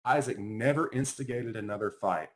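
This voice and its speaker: A man reading a children's picture book aloud in an expressive storytelling style, as its author. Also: mid-range voice, moderate pace.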